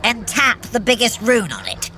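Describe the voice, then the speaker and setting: A woman's voice: fairly high pitch, huge pitch swings, normal speed, sharp tone, full character voice. A woman playing a scheming trickster god in an audio drama, grandiose and self-satisfied, talking straight to the listener. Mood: encouraging, pleased.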